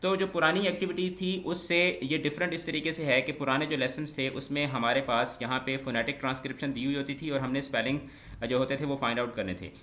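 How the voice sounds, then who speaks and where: Bright-voiced male English tutor. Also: medium pitch, fairly even intonation. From Pakistan. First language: Punjabi. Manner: sounds words out slowly, repeating each one many times. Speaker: English teacher. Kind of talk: online exam-prep lecture.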